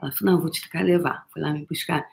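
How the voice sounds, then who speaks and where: A middle-aged Brazilian woman coaching a live audience with fervent emphasis. Her voice sits a little low for a woman and keeps calling the listener "my love". Her tone stays casual and outspoken, with a swear word here and there. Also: fairly even intonation, very fast, vocal fry. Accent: Brazilian Portuguese. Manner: emphatic, calls listener "meu amor", mild swearing. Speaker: motivational coach. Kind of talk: live motivational talk.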